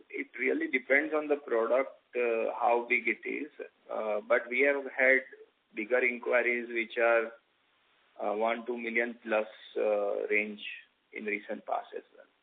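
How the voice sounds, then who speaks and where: A man with an Indian accent speaking as a company executive on an earnings call, in halting, formal, measured phrases. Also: mid-range voice, steady tone, creaky. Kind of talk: earnings call presentation and answers. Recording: dull band-limited conference call audio.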